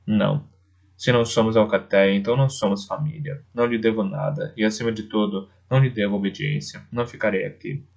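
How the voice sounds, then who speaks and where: A man reading a defiant young wolf for an audiobook. The voice sits low and gravelly, scornful and insistent. The recording sounds dull and lo-fi. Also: flat delivery, quick pace, a little mellow. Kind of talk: audiobook character voice.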